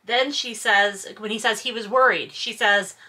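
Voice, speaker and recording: Woman, bright sharp voice, mid pitch, sardonic and incredulous, casual read-along commentary. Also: normal speed. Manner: casual, swearing. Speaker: host reading a book aloud with commentary. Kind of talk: reading aloud with sarcastic running commentary.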